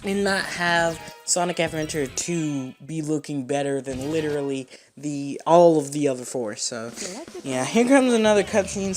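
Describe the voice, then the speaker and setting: Casual man doing let's-play commentary over music. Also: fairly high pitch. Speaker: video game streamer and host. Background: video game music.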